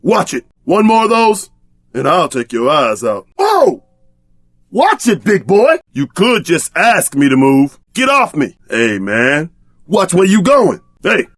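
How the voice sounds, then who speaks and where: A man's voice: sits high, sing-song, slow pace, fairly bright tone, no room sound, studio quality, full character voice. An actor voicing a brash, trash-talking tough-guy sidekick in a video game, bombastic and streetwise in exaggerated combat barks. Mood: angry, threatening.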